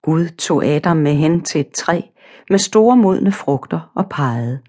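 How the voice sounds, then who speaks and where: A woman narrating a children's storybook audiobook in a calm, simple, measured way. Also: sits low, breathy edge.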